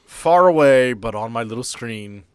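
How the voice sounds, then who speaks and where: A man with a mid-pitched voice talks as the game master and host of a casual podcast. His delivery is conversational and playful, full of teasing banter. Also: animated, measured pace, clear, resonant tone, no room sound. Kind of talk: casual podcast chat introducing players of a tabletop game.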